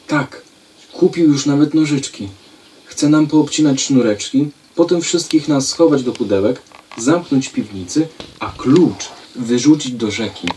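A man's voice: medium pitch, measured pace, mellow, far from the mic, a little hiss or hum, close to an everyday voice, rough recording. A man voicing a worried male puppet who earnestly explains a threat. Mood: grave. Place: recording studio booth.

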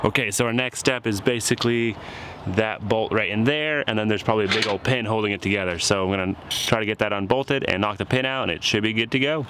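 A man's voice: on the low side, quick pace. A man in his thirties, casually talking through a repair job outdoors, thinking aloud as he works. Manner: easygoing, thinking aloud while working. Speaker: shop mechanic host. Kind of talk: casual how-to narration. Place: outdoor junkyard. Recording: outdoor noise behind.

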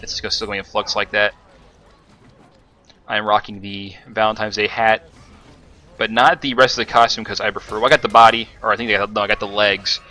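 A man talks through his own gameplay footage in an easygoing, rambling way. His voice sits a bit low, with a bright, forward edge to it. He stops often, with fillers and restarts. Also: little pitch movement, brisk, long pauses. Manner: rambling, many fillers and self-corrections. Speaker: gaming commentator. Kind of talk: casual gameplay commentary.

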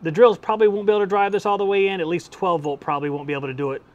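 Casual workshop host, a man in his thirties, slightly high voice, relaxed and chatty, lapel mic. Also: very fast, highs cut off. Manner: chatty and easygoing, laughs at his own results. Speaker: tool-testing YouTube host. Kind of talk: casual hands-on tool review. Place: home workshop with shelves of power tools, indoors. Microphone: clip-on lapel mic.

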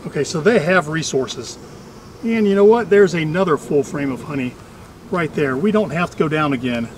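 Middle-aged male vlogger, high voice, chatty and dryly funny working commentary, outdoors with faint background buzz. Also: expressive, moderate pace, a little hiss or hum. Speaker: beekeeper and vlog host. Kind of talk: casual running commentary while working. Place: outdoors among trees at beehives.

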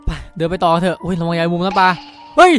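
A man giving excited, improvised gameplay commentary as host, exclaiming and repeating urgent calls, with music behind him. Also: high-pitched, fast talker. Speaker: gaming video host.

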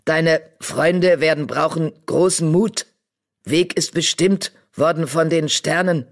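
In an audiobook, a narrator with a mid-range voice plays Mitternacht, a wise old female badger. She sounds stern, speaking slowly and with broken word order.

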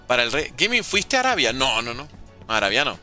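During a live game stream with faint background music, a young man chats and jokes casually while reading viewer questions aloud. His mid-range voice is very animated, quick, bright, and forceful.

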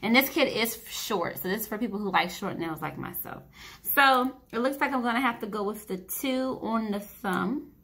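Bright-voiced woman chatting through a nail tutorial. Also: a little high, expressive, moderate pace. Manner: chatty, self-deprecating, thinking aloud while working. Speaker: beauty vlogger. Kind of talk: casual tutorial chat. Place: indoors at a table at home.

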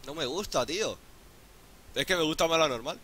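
A man with a Spain Spanish accent doing casual gameplay commentary, excitable, swearing often and pleading out loud. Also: on the high side, a little fast, slight background noise. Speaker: gaming YouTuber.

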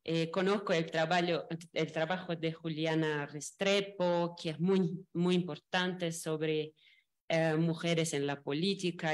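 A Brazilian woman, a native Portuguese speaker, giving panel remarks in halting Spanish mixed with Portuguese, into a table microphone. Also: deep voice. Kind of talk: semi-spontaneous panel remarks. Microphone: gooseneck table microphone.

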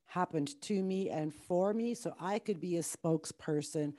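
Middle-aged woman host on a video call, mellow and warm, slightly low, frank and plainspoken. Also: normal speed. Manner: candid, swears casually.

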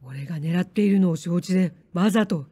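A woman's voice: lowish voice, brisk, warm tone, husky, no echo. A woman voicing an arrogant spoiled young lord who scolds harshly in a samurai-era story. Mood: furious.

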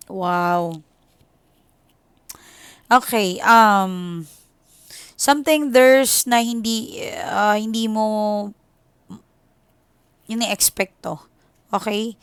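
A woman's voice: medium pitch, clear, resonant tone, no room sound. A Filipino woman with a Filipino accent, giving a casual tarot reading and chatting to her viewers in a mix of Tagalog and English. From Philippines. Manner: chatty, switches into English, frequent "okay?". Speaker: tarot reader.

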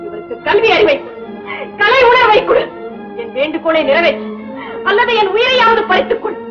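An actress playing a learned, devout young princess in a 1960s film, speaking in formal literary speech. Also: female voice, high-pitched, normal speed, close to an everyday voice. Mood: anguished. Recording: dull old film soundtrack with music.

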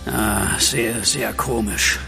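An actor playing an indignant, defiant captive in a horror audio drama, speaking in a strained manner. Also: male voice, on the low side, very slow, creaky, pushed and bright, soft background music, full character voice. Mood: shocked, bitter. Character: outraged, defiant male captive, grieving widower.

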